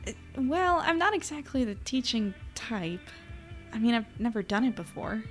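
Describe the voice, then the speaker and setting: Hesitant young newspaper editor, bright-pitched woman acting. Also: lively intonation, normal speed, faint music behind, close to an everyday voice. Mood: hesitant, worried. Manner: casual, hesitant. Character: friendly, self-doubting young woman, small-town newspaper editor. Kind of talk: naturalistic audio drama acting.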